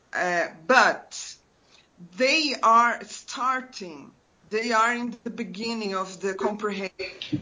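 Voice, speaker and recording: Speaking very slowly with a Brazilian Portuguese accent, a woman uses a fairly high pitch and ordinary pitch variation. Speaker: translator and channel speaker on ufology. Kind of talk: casual chat. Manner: halting, many fillers and repetitions.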